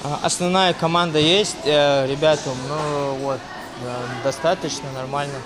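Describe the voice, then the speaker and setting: A man, a martial arts coach in a training gym, calling out counts and short commands to his fighters and answering interview questions with hesitant pauses. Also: on the high side, steady tone, over music.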